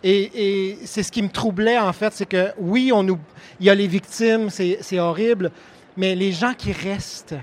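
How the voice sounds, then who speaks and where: A man's voice: high voice, steady tone. A man hosts a book fair interview, hesitating often with fillers as he asks questions. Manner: many fillers, halting. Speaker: bookseller and literary host.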